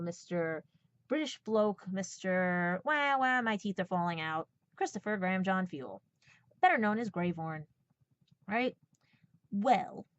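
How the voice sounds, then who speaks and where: A woman in her forties giving a blunt, sarcastic personal rant, swearing and checking in with "right?" and "okay?". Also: mid-range voice. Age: 40s. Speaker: podcast host. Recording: dull, lo-fi sound.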